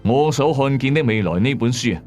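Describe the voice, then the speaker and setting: A man's voice: mid-range voice, expressive, fairly quick, darkish tone, faint music behind. A man with a Hong Kong Cantonese accent hosting and telling a mystery story in scripted narration. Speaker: host and storyteller.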